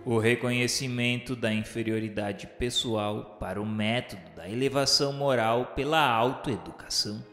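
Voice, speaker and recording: A man's voice: mid-range voice, normal speed, few pauses, a bit bright. Solemn Brazilian male narrator in cavernous reverb. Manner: solemn, formal, literary diction. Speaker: narrator of a radio novel. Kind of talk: dramatic scripted first-person narration. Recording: echoey hall reverb with music. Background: music.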